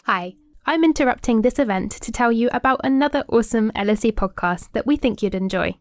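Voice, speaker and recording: A woman's voice: a little high, lively intonation, brisk, dry recording. A woman reading a scripted podcast promo in an upbeat manner.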